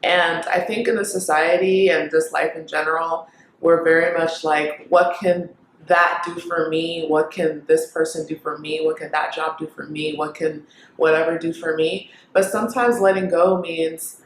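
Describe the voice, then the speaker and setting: Young woman vlogger, reflective, pausing often, recorded in a roomy space. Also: sits low, level tone, slight background noise. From Kenya. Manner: reflective, thinking aloud with many pauses and fillers. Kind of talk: casual talk to camera.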